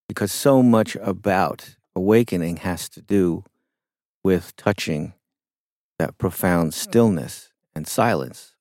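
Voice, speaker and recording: Deep gravelly man, reflective and unhurried. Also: warm tone, dry recording, clean studio sound. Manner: reflective, unhurried, with frequent fillers. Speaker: interview guest, songwriter. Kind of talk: conversational interview storytelling.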